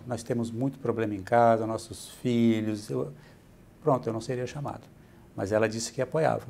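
Gravelly husky Brazilian man. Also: mid-range voice. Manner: steady, explanatory, adds "né" often. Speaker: church bishop, interview guest. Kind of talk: explanatory interview answers. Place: bright furnished room, indoors.

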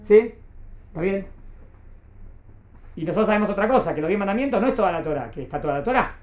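A woman's voice: mid-range voice, animated, fast, a little mellow. A woman teaching a class, explaining patiently and often checking that her students follow. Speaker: Torah teacher. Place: classroom with a small group. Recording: echoey classroom recording.

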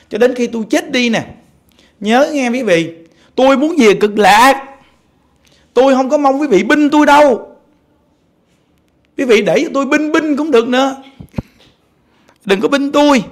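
A man with a Southern Vietnamese accent and an unusually high, light voice, preaching a Buddhist sermon. He tells stories animatedly and keeps turning to the congregation with quick questions. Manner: animated storytelling, keeps asking listeners "see?".

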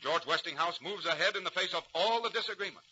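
A man's voice: high voice, quick pace, bright, forceful tone, slight background noise. A man with an American accent giving grand, emphatic, dramatic scripted narration in 1940s radio style. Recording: muffled 1940s radio recording.

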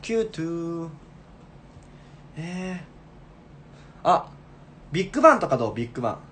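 A man's voice: a little high, big pitch swings, normal speed, fairly bright tone, a little hiss or hum. Playful young man livestreaming. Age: 20s. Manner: playful, repeats short phrases. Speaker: live streamer chatting with viewers. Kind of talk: casual livestream chat. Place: small room indoors. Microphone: phone at arm's length.

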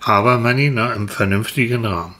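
A man's voice: fairly low pitch, a little fast, bright, forceful tone. A man talking patiently and encouragingly, explaining things as a mentor to a child character in a children's audio series. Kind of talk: improvised, reassuring talk to a child character.

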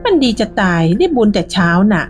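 A woman's voice: medium pitch, very animated, a little fast, faint music behind, lightly acted. A woman voicing a pushy, nagging older female market vendor who scolds others.

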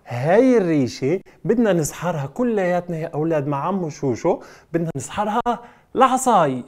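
A man's voice: on the high side, big pitch swings, a little fast, a little mellow. Playful man entertaining kids. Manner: coaxing, call-and-response with children, playful exclamations. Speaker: children's entertainer doing magic tricks. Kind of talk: lively children's show presenting.

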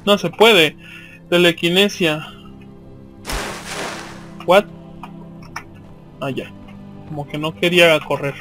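A man's voice: a little high, slow, pauses often, sharp tone, soft background music. A man with a Mexican accent giving casual, slangy, profanity-laced commentary as he plays a video game.

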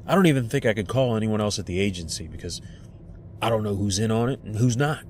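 Man as steady secret agent, deep voice, earnest, reassuring, protective, audio drama, faint vehicle noise. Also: fast, lightly acted. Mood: troubled.

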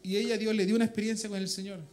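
A Chilean man with a high-pitched voice gives a heartfelt church testimony. He speaks fervently and keeps turning to the congregation to address them as brothers. Soft music plays faintly under him. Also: little pitch movement, very fast. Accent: Chilean Spanish. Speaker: church member giving testimony. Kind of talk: emotional spoken testimony in church. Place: church meeting room.

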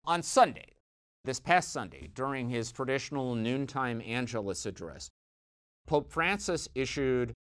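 A middle-aged man giving a weekly church news commentary from a small studio on a lapel mic, conversational and wry, with lively emphasis and dry asides. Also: medium pitch, a little slow. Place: small dark studio set, indoors.

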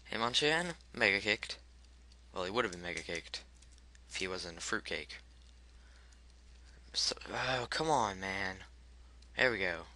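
In a lowish, bright, forceful voice, a man provides let's play commentary on his own gameplay. Frustrated, he swears at the game and mutters the menu choices he selects, his voice cracking.

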